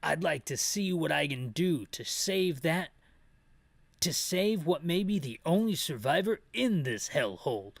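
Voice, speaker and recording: A man's voice: fairly high pitch, animated, a little slow, vocal fry, dry recording, exaggerated voice. A man voicing an edgy, cool young male video game hero in an earnest, dramatic way. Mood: edgy, determined. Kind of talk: amateur character voice for game dialogue.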